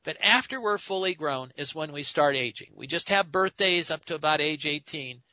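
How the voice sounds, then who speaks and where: A man in his sixties talks earnestly on a health radio program, his voice bright and forceful. The sound is dry, with no room echo. It has the dull, narrow band of an old radio broadcast. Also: on the high side, animated, normal speed. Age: 60s. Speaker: radio host. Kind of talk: health talk radio sponsor segment.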